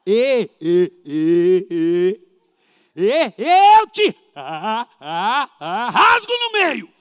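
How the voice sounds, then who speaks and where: A man imitating an elderly man who stammers badly when nervous, repeating sounds loudly in a reverberant church hall. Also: high voice, wildly swooping pitch, drawn-out words, clear, resonant tone, heavily acted. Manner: stuttering, repeating sounds, loud and strained.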